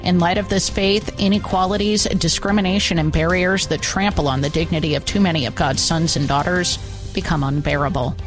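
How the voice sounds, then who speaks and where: A woman's voice: lowish voice, fairly even intonation, a little fast. A woman giving a formal news voice-over. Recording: voice-over with soft music.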